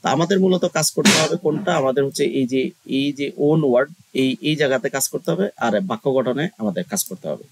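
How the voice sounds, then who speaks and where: A man's voice: mid-range voice, animated, fairly quick, husky, dry recording, poor audio. Man tutoring, dry close sound. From Bangladesh. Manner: explains step by step with frequent "ah" fillers. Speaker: online English tutor. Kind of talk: casual lesson walkthrough.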